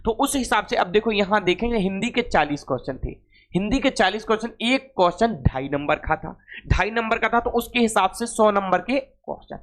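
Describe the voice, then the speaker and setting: A man's voice: sits high, animated, fairly quick, a bit bright. A man teaching an informal exam-prep class, repeating phrases and asking questions that he then answers himself.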